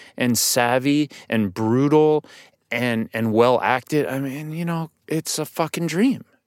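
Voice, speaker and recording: A man with an American accent speaks at a fairly slow pace with ordinary pitch variation. The recording is very clean and dry, close-sounding with no echo and a silent background. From New York City. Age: 30s. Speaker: actor. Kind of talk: casual chat. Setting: studio.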